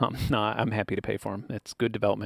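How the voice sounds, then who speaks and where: The voice has vocal fry. The sound is dry and close with no echo, on a very clean recording with a silent background. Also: man. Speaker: YouTuber and music producer. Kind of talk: livestream chat. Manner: fast; casual, halting.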